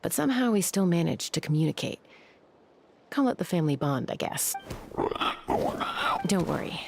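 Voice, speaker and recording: A woman's voice: on the low side, big pitch swings, moderate pace, creaky, noisy background. A woman voicing a confident, caring young tribal adventurer in a video game, composed and matter-of-fact. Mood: explaining. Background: game music.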